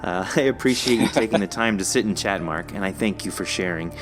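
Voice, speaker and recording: A man with a low voice hosts a casual podcast interview. He is informal, encouraging and effusive with his guest, with faint music underneath. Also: a little fast.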